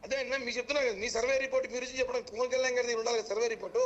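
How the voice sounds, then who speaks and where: A man's voice: very high-pitched, steady tone, very fast, a bit bright, lo-fi sound. A man defending himself in a political debate, explaining at length with repeated false starts. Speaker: political party leader as debate guest.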